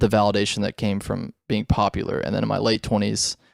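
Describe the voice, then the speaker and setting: A man's fairly low voice, dry and close with no echo. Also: very clean recording, silent background. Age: 20s. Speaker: metal musician. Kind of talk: podcast interview. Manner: halting, many repeated words.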